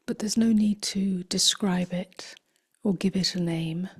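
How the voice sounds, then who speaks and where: A woman meditation teacher leading a guided contemplation in a gentle, breathy, near-whispered voice, unhurried and with long pauses. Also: mid-range voice, fairly even intonation.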